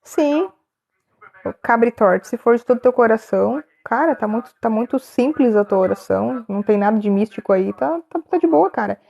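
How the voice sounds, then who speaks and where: Gravelly, chatty woman on a lo-fi livestream. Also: fairly high pitch, expressive, normal speed, a little mellow. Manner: chatty, laughing, reads viewers' names aloud. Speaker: live streamer answering chat. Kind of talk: casual live chat.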